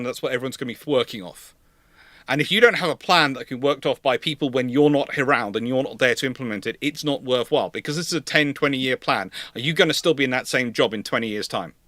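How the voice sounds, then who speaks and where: In a dry recording, a man with a mid-range voice and sharp tone answers questions live as host of a naval history stream and consultant. He repeats himself hesitantly and restates his points emphatically.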